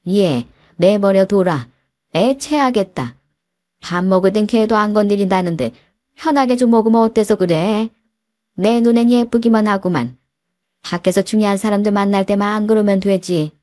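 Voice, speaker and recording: A woman's voice: medium pitch, normal speed, dark tone, no room sound, studio quality, close to an everyday voice. A woman voicing a domineering older mother-in-law who scolds and defends her son. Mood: indulgent.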